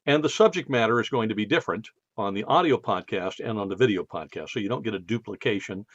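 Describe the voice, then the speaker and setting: A man's voice: on the low side, fast talker, a bit bright, no echo, dull audio. An American man hosting a podcast in a casual monologue, his speech slightly slurred by a numb mouth after dental work. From United States. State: left side of face numb from dental visit. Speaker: podcast host.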